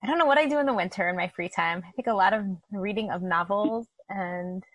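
A woman's voice: medium pitch, quick pace, no room sound, rough recording. An American woman in her thirties introducing herself in a casual, conversational way as a panel guest.

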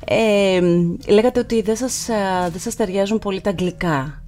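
A woman interviewer with a mid-pitched voice. She affirms her guest often with short agreements and gentle follow-up questions. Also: faint music behind. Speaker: podcast host. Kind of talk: interview conversation.

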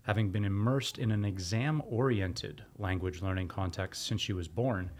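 Low-voiced man hosting a podcast. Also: moderate pace, a little mellow. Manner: friendly, with restarts when asking questions. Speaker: podcast host. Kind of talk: reading guest introductions, then casual questions.

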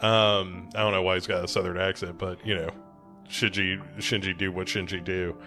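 Earnest low-voiced male podcast co-host. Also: level tone, normal speed, bright, forceful tone, soft background music. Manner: earnest, affectionate, emphatic. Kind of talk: casual chat about horror movies.

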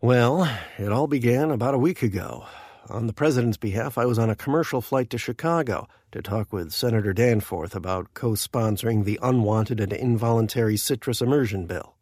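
An actor playing a nervous, deadpan presidential aide who tells his story with dry quips in a comic radio play. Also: medium pitch, brisk, husky, no echo, natural voice.

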